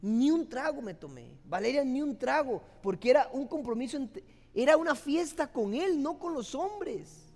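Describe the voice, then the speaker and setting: A man's voice: very high-pitched, sing-song, moderate pace, darkish tone. A man with a Costa Rican accent preaching an impassioned, emotional sermon as a pastor. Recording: long hall reverb.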